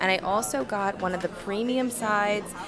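Clear music can be heard in the background. Over it, a woman keeps a moderate speed. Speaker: food vlogger. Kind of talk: casual vlog chat. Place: bar. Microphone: earbuds.

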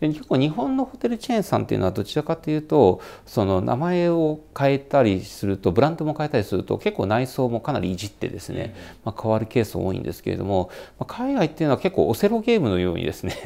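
A man with a dark, mellow tone rushes along at a very fast pace, his pitch swinging very widely. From Japan, Kanazawa; Japan. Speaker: hotel company CEO. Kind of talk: interview. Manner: formal. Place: office. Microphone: lapel.

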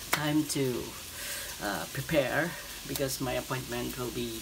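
A man speaks at a fairly slow pace with ordinary pitch variation. Noticeable background noise runs behind him. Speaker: vlogger. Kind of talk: casual vlog chat. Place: kitchen. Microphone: phone near.

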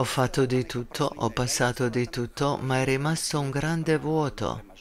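Very slow delivery in a Croatian accent, with ordinary pitch variation. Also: man. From Croatia, Zagreb. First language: Croatian (speaking Italian). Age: 40s. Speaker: blind man giving a faith testimony. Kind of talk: testimony.

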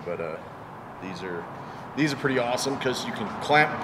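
The voice is male. Background noise is loud throughout. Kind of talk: casual explanation. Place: workshop.

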